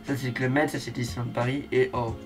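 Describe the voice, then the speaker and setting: A man's voice: medium pitch, level tone, quick pace, music in the background. A man hosting a reaction video with casual, slangy, informal commentary.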